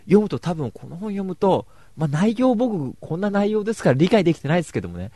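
A man's voice: sits high, sing-song, fast, mellow, dry recording. A man giving a casual, rambling book review, wry and self-mocking.

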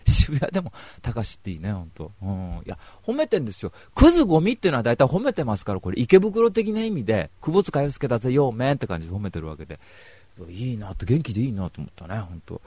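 A man's voice: medium pitch, dry recording. A young man hosting a live radio talk show, telling stories in a casual, joking way. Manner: animated, joking storyteller.

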